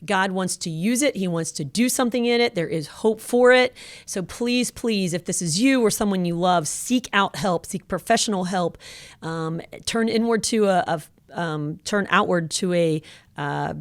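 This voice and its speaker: A woman's voice: mid-range voice, normal speed, no room sound. A middle-aged woman co-hosting a radio talk show, speaking with earnest, emphatic encouragement in a conversational style. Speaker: radio show co-host and counselor. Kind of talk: conversational faith-based encouragement.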